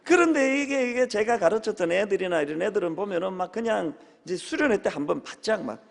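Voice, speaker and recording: A male pastor preaching a sermon, telling humorous stories with sudden shouted exclamations. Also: high-pitched, lively intonation, brisk, creaky. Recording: long hall reverb.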